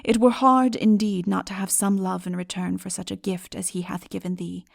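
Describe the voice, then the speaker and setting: A woman voicing a gentle, noble knight in a fantasy audiobook, with subdued, formal courtly speech. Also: medium pitch, level tone, normal speed, vocal fry, dry recording, clean studio sound. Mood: gracious, grave.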